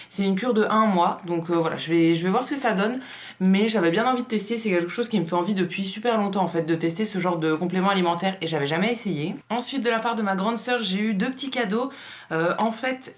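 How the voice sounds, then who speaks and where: A woman vlogger who has just woken up, chatting casually with a tired morning voice. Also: mid-range voice. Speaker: beauty vlogger. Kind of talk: casual vlog chat.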